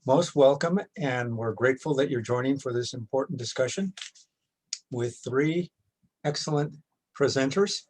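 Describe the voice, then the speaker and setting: A man moderating a workshop on a video call, giving a measured, formal welcome and reading introductions of the speakers. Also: medium pitch. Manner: measured and formal, reads introductions with occasional restarts.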